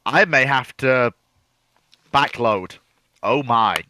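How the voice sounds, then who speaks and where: A man's voice: medium pitch, slow, pushed and bright, no echo. A man chatting casually as a panelist on a live stream, bantering with the others.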